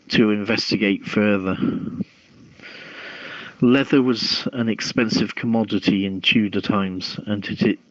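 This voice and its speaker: Slow-paced man hosting, dull lo-fi mic. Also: on the low side, dry recording. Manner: halting delivery, stumbles and repeats words while reading. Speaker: host reading news stories to co-hosts. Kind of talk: reading a news article aloud, with casual chat. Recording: dull, lo-fi microphone sound.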